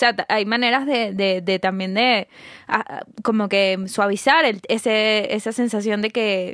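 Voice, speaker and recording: A woman with an unremarkable speaking voice talks at a fairly high pitch, her intonation fairly even and her loudness very even. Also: fairly slow pace. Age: 30s. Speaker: dentist on a volunteer trip. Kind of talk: casual chat.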